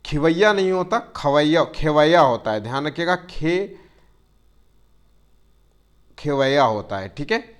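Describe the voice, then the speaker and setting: A man teaching a Hindi grammar exam-prep lesson, constantly using fillers, checking in with his students and drawing words out slowly to spell them. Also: a little high, expressive. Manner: tells students to take care and keeps checking "theek hai".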